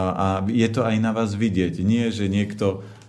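Fairly even intonation with audible room echo. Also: man. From Orava, northern Slovakia. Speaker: health and nutrition coach. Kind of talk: casual chat.

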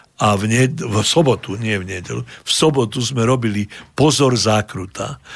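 On a very clean recording with a silent background, a man talks fairly slowly at a medium pitch with ordinary pitch variation in an unremarkable speaking voice. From Slovakia. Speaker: Lutheran pastor and emigrant. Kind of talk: interview.

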